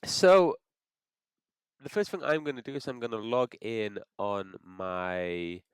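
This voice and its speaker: A man's voice: on the low side, slow pace, clear, resonant tone, no echo, studio quality. Congested man walking through a setup. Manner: thinks aloud with frequent restarts. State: congested from a cold. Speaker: software tutorial presenter. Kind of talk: screen-recorded how-to walkthrough.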